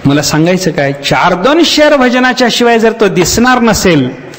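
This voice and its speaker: A spiritual teacher gives a devotional discourse, telling a story with lively acted-out voices and chanting verses slowly. He has a high voice, and the recording carries a long hall reverb.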